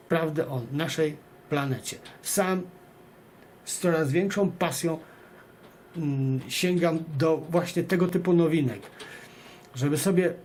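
A man's voice: on the high side, darkish tone, a little hiss or hum. A man hosting, reading an article aloud and adding emphatic, rhetorical comments addressed straight to viewers. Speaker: video host and narrator.

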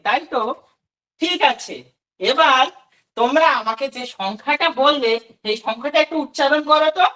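A woman with a high voice gives a demo lesson to children. She asks the class a question and then answers it herself. She sits a little back from the mic. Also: sharp tone, far from the mic, low-quality recording. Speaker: teacher giving a demo class.

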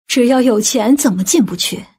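A woman's voice: a little high, normal speed, warm tone, slightly rough. A woman playing a stern, principled middle-aged aunt in an audiobook, blunt and skeptical. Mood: disapproving. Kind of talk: audiobook character acting.

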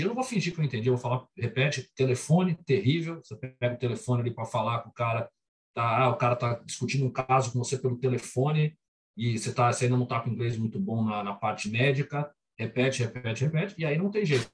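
A Brazilian doctor in casual chat, telling stories animatedly and acting out his own quotes, over a video call. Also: mid-range voice. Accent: Brazilian Portuguese. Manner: animated, quick storytelling with acted-out quotes. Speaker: guest doctor working abroad.

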